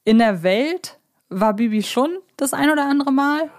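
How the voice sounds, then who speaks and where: A woman co-hosting a podcast, chatting casually as a fan and often pausing to search for her words. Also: high voice, lively intonation, darkish tone. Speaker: podcast co-host.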